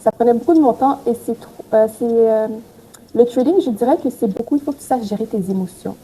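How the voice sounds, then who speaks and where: A woman who grew up in Haiti, a podcast guest answering questions calmly and carefully, with some hesitations. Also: on the high side, husky, rough recording. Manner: calm, measured, with hesitations. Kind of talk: casual interview answers.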